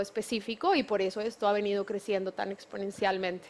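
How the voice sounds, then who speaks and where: Speaking at a fairly quick pace with a Colombian accent, a woman keeps a medium pitch and a monotone, flat intonation. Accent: Colombian, noticeable. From Colombia, Bogotá. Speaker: business executive. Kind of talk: panel interview.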